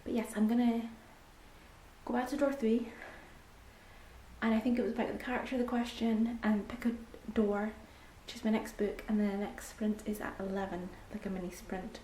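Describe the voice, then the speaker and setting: Her voice slightly high and mellow, with little pitch movement and a moderate pace, a young woman with a Scottish accent talks casually about books in a vlog filmed at home. She says "um" a lot and occasionally lowers her voice to near-whispers. Faint hiss sits beneath the echo of the room.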